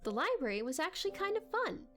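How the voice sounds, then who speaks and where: A woman narrating a story as an expressive dramatic audiobook reading. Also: very high voice, fast, soft background music.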